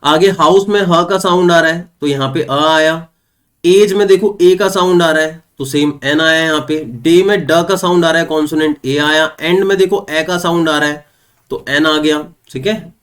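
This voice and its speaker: Fairly high-voiced man teaching English grammar. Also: fairly bright tone. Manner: explains step by step, asks and answers his own questions; reads English example sentences slowly and clearly. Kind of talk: online exam-prep lesson.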